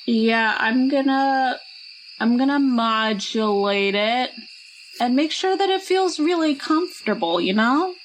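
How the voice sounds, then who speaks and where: A woman with a mid-pitched voice talks very slowly as a player in a tabletop game. She is laid-back and slangy, hesitating as she improvises. Faint crickets and owls are heard behind. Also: animated, poor audio. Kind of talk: casual improvised role-play chat. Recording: faint noise with night insects and owls.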